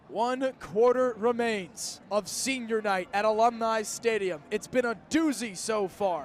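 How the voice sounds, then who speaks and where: Speaking at a fairly slow pace with hardly any pauses, a man uses a high pitch and ordinary pitch variation. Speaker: college sports broadcaster, play-by-play announcer. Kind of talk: football radio play-by-play. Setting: radio broadcast from stadium.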